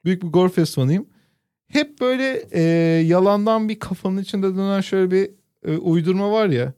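A man's voice: high voice, a little mellow, clear, resonant tone, dry recording, studio quality. A man co-hosting a casual chat, telling long comic stories and drawing out words for effect. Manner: drawn-out comic storytelling. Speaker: podcast co-host.

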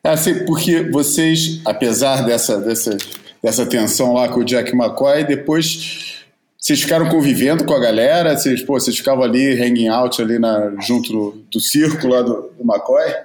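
A man, asking casual interview questions in a halting way, searching for words. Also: mid-range voice, a little mellow, a little hiss or hum. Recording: echoey room.

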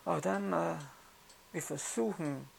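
A speaker from Austria with an Austrian accent, recalling things casually in a halting way with repeated words. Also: mid-range voice, gravelly, a little hiss or hum. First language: German. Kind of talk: casual spoken recollection.

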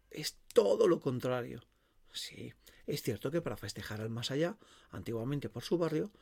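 A man narrating a horror short story dramatically and expressively, savouring his pauses and words. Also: fairly high pitch, creaky, a little mellow, husky.

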